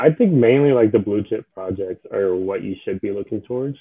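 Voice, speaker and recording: The speaker is a man with a fairly low pitch and ordinary pitch variation. He talks at a fairly quick pace. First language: Spanish. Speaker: NFT artist. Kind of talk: casual group chat.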